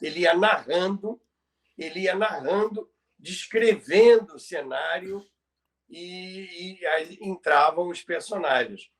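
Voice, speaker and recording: A Brazilian man with a high, fairly bright voice explains the history of radio at a slow pace. His style is that of an informal lecture, didactic, and he repeats phrases for emphasis.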